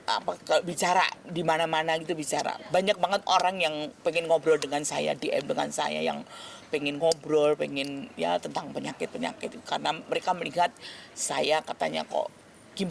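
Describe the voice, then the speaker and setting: A woman, answering interview questions earnestly and haltingly, often restarting words. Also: low voice, steady tone, creaky, slight background noise. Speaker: celebrity guest being interviewed. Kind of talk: emotional interview talk.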